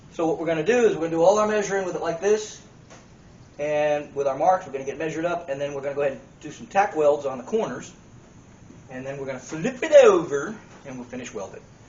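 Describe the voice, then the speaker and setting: With audible room echo, a man speaks at a very fast pace, his fairly high pitch moving in lively intonation. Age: 60s. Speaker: auto mechanic and restorer. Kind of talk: tutorial. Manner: casual, conversational.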